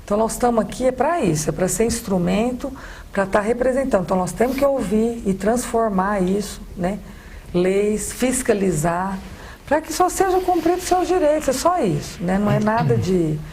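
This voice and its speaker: A woman's voice: medium pitch, lively intonation, normal speed, darkish tone, a little hiss or hum. A woman with a Brazilian accent, a city councillor giving emphatic closing remarks, peppering her speech with "né". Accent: Brazilian Portuguese. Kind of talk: panel debate closing remarks.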